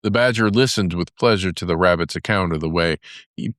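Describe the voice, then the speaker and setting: A man narrating a fairy tale as a storybook, in a measured storytelling manner. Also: low-pitched, a bit bright, no echo, studio quality. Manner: measured storytelling with character voices for dialogue.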